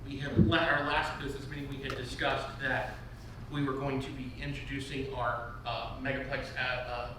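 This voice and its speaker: A man's voice: medium pitch, little pitch movement, normal speed. A man chairing a business meeting in a semi-formal, somewhat hesitant and improvised way. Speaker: chairman and president. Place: large echoey meeting room. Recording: very echoey room, far mic, noisy.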